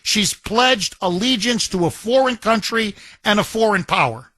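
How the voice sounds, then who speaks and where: A man's voice: high-pitched, moderate pace, sharp tone, no echo. A man hosting a call-in radio show, talking in a combative, emphatic and scornful way. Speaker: radio talk show host. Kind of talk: talk radio monologue and call-in.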